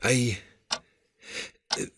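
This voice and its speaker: A man acting a courteous but uneasy stranger in an audio drama, speaking formally and haltingly. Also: very noisy.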